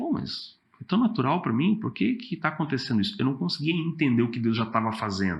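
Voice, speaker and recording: The voice has vocal fry and very wide pitch swings. It moves at a fairly quick pace. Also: man, medium pitch for a man. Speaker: pastor. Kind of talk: casual interview chat.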